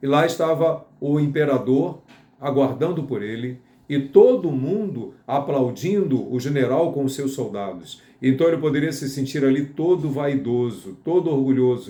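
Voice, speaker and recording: Fairly high in pitch, this man has a dark, mellow tone. He speaks at a fairly slow pace with ordinary pitch variation. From Brazil, Campos (Rio de Janeiro state). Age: 60s. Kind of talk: motivational talk.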